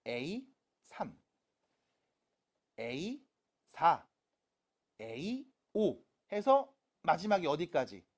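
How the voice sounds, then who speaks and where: A math teacher lecturing high school students in a playful way, asking questions and answering them, with silly sound effects while writing. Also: sing-song, extremely slow, pauses often. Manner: talks students through writing on a board.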